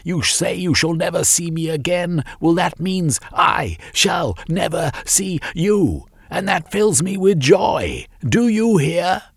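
A man's voice: high voice, expressive, slow, vocal fry, few pauses, slightly rough, no echo, studio quality, voice pushed up, full character voice. A man voicing a haughty defiant young runaway. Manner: haughty, mocking. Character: defiant young man fleeing his family.

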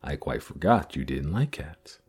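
A man's voice: very deep voice, animated, unhurried, a little mellow, husky, faint music behind, voice pushed down, exaggerated voice. A man voicing a curious, polite young girl who chatters earnestly. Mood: soothing.

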